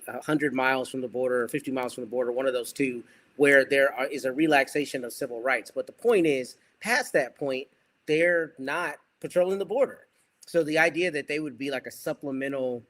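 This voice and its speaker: A man's voice: mid-range voice, fairly bright tone. Male panelist, mid-range voice, thoughtful and conversational. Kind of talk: political panel discussion.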